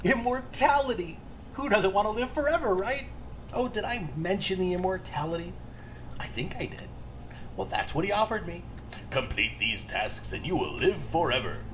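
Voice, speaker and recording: Audio drama serial killer, played by a man: talkative, volatile, casually menacing, very lively pitch, noisy background. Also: normal speed. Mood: gleeful, boastful. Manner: rambling, casually menacing, demanding answers. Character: chatty, volatile serial killer boasting to a captive.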